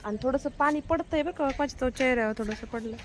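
This outdoor vlog has a woman talking quickly in a high voice as she films on her phone atop a rainy house rooftop. The mother exclaims and playfully scolds her son, and a little hiss or hum can be heard.

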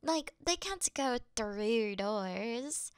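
A woman's voice: on the high side, animated, extremely slow, smooth, dry recording, studio quality. A woman playing a clumsy, cute young thief in an ASMR roleplay, stammering and acting tougher than she is while easily frightened. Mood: nervous bravado. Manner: stammering, flustered, falsely tough.

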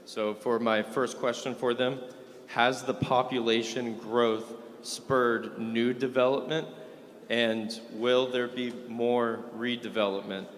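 A man's voice: mid-range voice, little pitch movement, takes it slowly. A young man moderating a conference panel, giving formal introductions and questions. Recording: reverberant conference hall.

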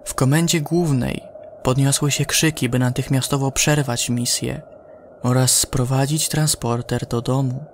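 A man narrating a scripted science-fiction horror story in a measured way, with dramatic pauses. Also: mid-range voice, steady tone, a little hiss or hum.

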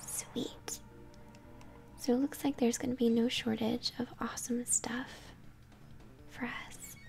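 A woman's voice: a little high, little pitch movement, slow, vocal fry, a little mellow. A young woman whispers ASMR game commentary, chatting encouragingly to her viewers. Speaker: game streamer. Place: indoor room at home. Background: video game music.

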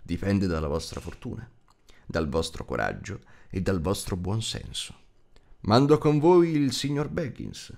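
A man's voice: low voice, sing-song, unhurried, vocal fry, darkish tone, heavily acted. A man voicing a stern, commanding old wizard in an audiobook, admonishing and teasing with emphatic delivery. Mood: firm, encouraging. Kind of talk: audiobook character acting.

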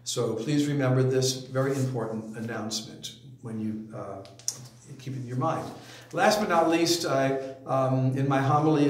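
Older male priest, mid-pitched, gentle and unhurried with many fillers; strong room echo. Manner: gentle, unhurried, with frequent ums and uhs. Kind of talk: parish announcement and letter reading. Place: small indoor chapel space before a brick wall. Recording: very echoey room.

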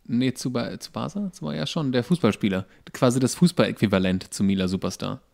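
Gravelly deadpan man in his forties. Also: mid-range voice, quick pace. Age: 40s. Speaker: podcast co-host. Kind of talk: casual comedic chat.

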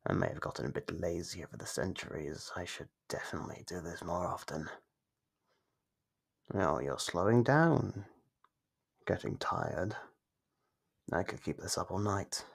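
An actor voicing an ancient, gleefully predatory monster in an ASMR horror roleplay, husky and breathy, teasing with slow menace. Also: male voice, deep voice, expressive, full character voice. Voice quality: husky, gravelly, breathy with whispers. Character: gleeful predatory monster from under the bed, centuries old.

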